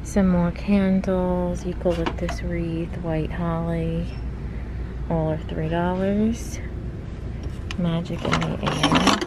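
A woman vlogger narrating a shop-with-me video in a store, calmly listing items and their prices. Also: on the low side, slow pace. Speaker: lifestyle vlogger. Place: large retail store, indoors. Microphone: handheld phone camera. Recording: noisy store ambience. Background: store ambience.

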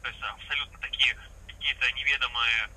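A man giving a formal, patient phone sales pitch as an investment salesman, heard through a phone speaker in a vehicle. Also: fairly even intonation, a little fast, sharp tone, slightly rough, low-quality recording. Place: phone speaker inside a parked vehicle cab.

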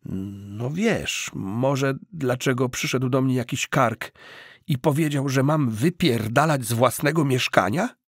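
A man's voice: medium pitch, slow pace, slightly rough, no echo, clean studio sound, pitched above the performer's own voice. A man voicing a stunned, anxious young man in an audiobook, indignant and hesitant. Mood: tense, indignant.

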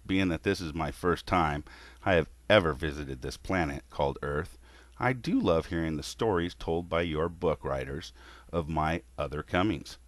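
A man voicing a weary creator god in a scripted monologue, lecturing humanity in a scornful, measured way. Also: very deep voice, dry recording.

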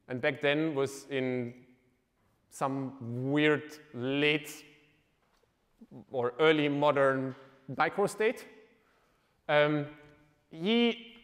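A male lecturer talks through his material in a loose, conversational way, dropping wry asides and correcting himself as he goes. His voice sits a little high for a man. The sound carries the long reverb of a large lecture hall. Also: a bit bright. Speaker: university lecturer. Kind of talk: live university lecture.

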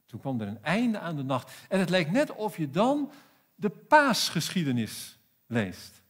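In church, a high-pitched male pastor with a South African accent delivers an emphatic sermon packed with rhetorical questions.

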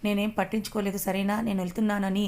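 A consoling middle-aged mother in a storybook reading, voiced by a woman. Quick and level. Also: mid-range voice, flat delivery, darkish tone, lightly acted.

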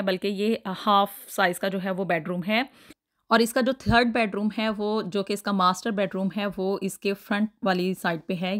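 A woman talks through a house tour as a voice-over, pitched at an ordinary middle height for a woman. She explains every room in detail, stopping often on "uh" and breaking off words to start them again. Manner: explanatory, repeats herself, many hesitations. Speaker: vlogger giving a house tour. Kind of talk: voice-over narration of a home tour.

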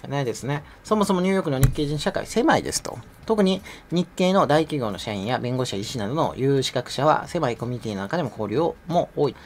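A man's voice: medium pitch, very animated, fast, hardly any pauses, a little hiss or hum. A middle-aged man giving sarcastic, mocking commentary in a casual, conversational way.

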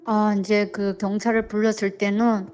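A woman in her forties, a church member telling her family troubles in a counseling interview, talking slowly and hesitantly. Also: mid-range voice, level tone, faint music behind. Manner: slow, hesitant, soft-spoken.

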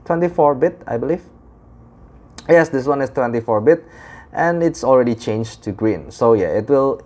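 A young man from Indonesia with an Indonesian accent gives a casual, unscripted product review in halting, explanatory English. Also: fairly low pitch, darkish tone. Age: young adult. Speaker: audio gear reviewer.

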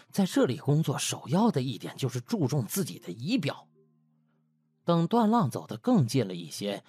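Animated male audiobook narrator, husky edge. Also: medium pitch, dry recording. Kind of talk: lively scripted novel narration.

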